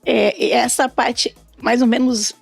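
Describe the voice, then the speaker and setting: A woman's voice: a little high, little pitch movement, takes it slowly, creaky, husky, faint music behind. A middle-aged or older woman chatting as a podcast guest, telling stories and acting out quoted exchanges. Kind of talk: casual conversational interview, anecdotes.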